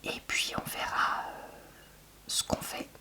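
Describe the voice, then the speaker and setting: A woman whispering softly in a library whisper, chatting candidly in a conversational ASMR book-review style. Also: slow pace. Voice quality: soft, breathy unvoiced library whisper. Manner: hushed, conversational, candid opinions.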